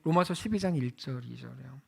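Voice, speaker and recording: A male pastor preaching a sermon in a conversational way, asking the congregation questions and swinging from loud exclamations to hushed lines. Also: medium pitch, lively intonation, fast talker, vocal fry, breathy edge.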